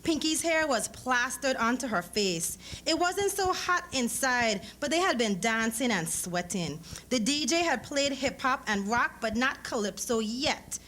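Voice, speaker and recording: Female literary reader, higher-pitched, expressive and measured narrative delivery, live event with faint background noise. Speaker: author reading a short story at a public event. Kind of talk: dramatic literary reading of narrative prose with acted dialogue. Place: live lecture event before an audience.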